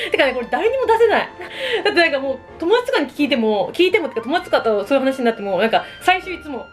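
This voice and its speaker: Female, 30s, quick and high-pitched, giggly confessional vlogger talking over a meal. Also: sing-song, over music. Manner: self-deprecating, giggly, acts out imagined remarks. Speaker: solo vlogger. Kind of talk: casual confessional chat, reacting to relatable dating woes.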